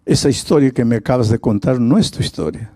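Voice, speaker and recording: A man voicing an earnest, mature suitor who speaks seriously and calmly. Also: mid-range voice, quick pace, no echo, studio quality, natural voice.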